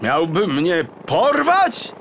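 Man acting out a high, indignant, flustered detective. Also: huge pitch swings, very slow, a bit bright, a little hiss or hum, heavily acted. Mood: alarmed. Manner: indignant, exclamatory, stammering. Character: flustered, indignant, whiny male detective on holiday. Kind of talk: audiobook character acting for children.

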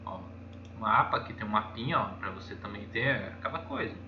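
A man's voice: fairly low pitch, lively intonation, brisk. A man with a Brazilian accent chatting casually while walking through charts on screen, rambling and pointing things out over and over. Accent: Brazilian Portuguese. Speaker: YouTuber. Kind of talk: casual screen-share commentary. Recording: echoey room, dull lo-fi sound, faint noise.

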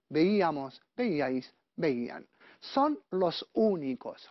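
A woman teaching Spanish grammar, drilling verb forms slowly and checking in with her class. Her voice sits on the low side and swings widely in pitch. The recording is dry and a little dull. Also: no room sound. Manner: slow, deliberate conjugation drills, checking with "¿vale?". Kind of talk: grammar lesson.

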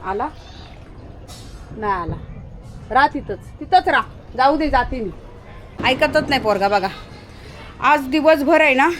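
High-voiced woman scolding her dog. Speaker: vlogger. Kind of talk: casual vlog narration to viewers. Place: outdoors at night.

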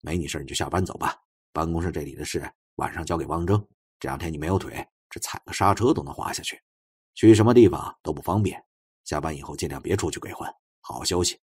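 A man voicing a sharp-witted male supernatural detective chief in an audiobook, quick, offhand and commanding. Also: rumbling low, slightly rough, voice pushed down. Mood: brisk, bossy.

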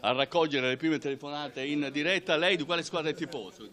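A man's voice: fairly high pitch, brisk, sharp tone. A man, hosting a light live morning show with interviews. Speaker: TV show host. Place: shopping centre walkway. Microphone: handheld interview microphone.

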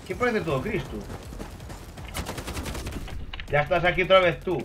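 Excitable Spanish-accented man gaming. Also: sits high, quick pace, far from the mic, background noise. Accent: Spain Spanish. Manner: excitable, swears and yells at opponents. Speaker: streamer. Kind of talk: live gameplay commentary.

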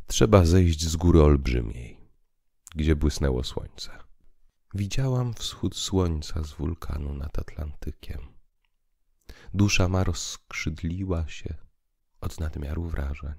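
A man voicing a gentle, lofty woman in an audio drama, speaking poetically and consolingly. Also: very deep voice, takes it slowly, gravelly, breathy edge, no room sound, studio quality, full character voice. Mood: exalted, consoling. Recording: piano music underneath.

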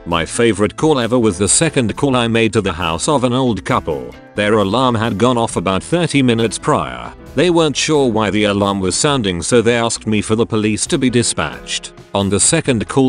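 Low, lively male story narrator. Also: moderate pace, hardly any pauses, soft background music. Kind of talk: scripted narration of online posts.

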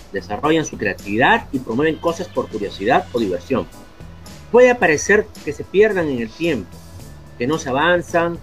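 A man speaking as a guest on a video call, calmly explaining teaching ideas in steady lists. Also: medium pitch.

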